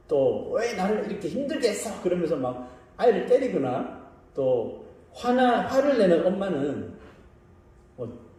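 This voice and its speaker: A male pastor gives a sermon in a very echoey church, and he sounds a little distant from the mic. His voice is somewhat high but dark and mellow. He moves between hushed, dropping phrases and raised, emphatic questions to his listeners. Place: church sanctuary.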